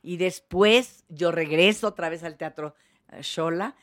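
A woman's voice: fairly low pitch, measured pace, dry recording, clean studio sound. An older woman, telling anecdotes in a casual chat, often laughing and restarting her sentences. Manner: lively storyteller, laughs often, many restarts. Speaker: guest actress.

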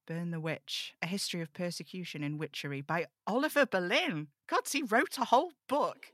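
Woman acting young amateur occult sleuth in an audio drama, lowish dry voice, chatty, fretful, rambling to listeners. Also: animated, a little fast, fairly bright tone, no echo. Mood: curious, muttering. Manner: chatty, self-interrupting, muttering asides. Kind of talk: audio drama table read, confiding monologue.

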